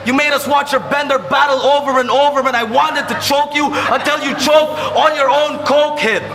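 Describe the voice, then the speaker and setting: A man from the Philippines performing battle rap, hurling rhymed insults and sometimes shouting them. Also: extremely high pitch, steady tone, moderate pace, crowd noise. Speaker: battle rapper. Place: live battle venue. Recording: echoey room, noisy live audio.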